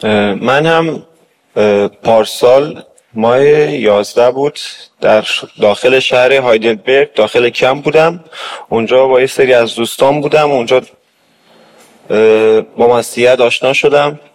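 A man's voice: mid-range voice, rapid-fire. A man in his twenties from Iran, a baptism candidate, speaking in simple, glad statements. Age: 20s.

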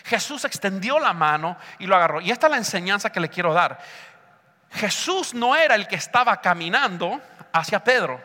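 A man with a very high, bright voice preaches an impassioned sermon in a church hall. He slips between Spanish and English and calls on the congregation to repeat after him. A long reverb trails his words through the room. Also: very animated, moderate pace. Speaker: pastor.

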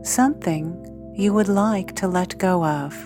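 A woman with a slightly low voice guides a meditation at a very unhurried pace. She speaks soothingly in short, measured phrases with long gaps. Clear music with singing bowl tones plays behind her. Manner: slow, soothing, measured delivery with long pauses. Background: meditation music with singing bowls.

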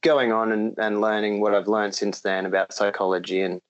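A man's voice: fairly low pitch, moderate pace, lo-fi sound. A young Australian man talking casually as a podcast guest, rambling with lots of ums and easy laughs. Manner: relaxed, rambling with many ums, laughs easily.

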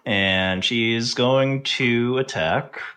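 Male game master for tabletop play: slow, halting delivery with a bright, forward edge. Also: medium pitch. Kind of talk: improvised tabletop game narration.

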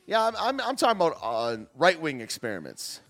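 A man's voice: a little high, wildly swooping pitch, brisk, a bit bright. A man hosting a casual livestream, reacting to clips and chat in a joking, rambling way that often trails off and restarts. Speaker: livestream host. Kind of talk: casual commentary, reading chat.

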